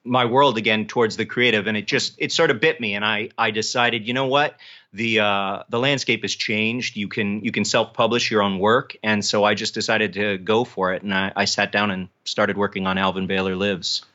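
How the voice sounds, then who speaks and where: A man's voice: lowish voice, steady tone, normal speed, sharp tone, dull audio. An American man speaking casually as an author being interviewed. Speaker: author, guest.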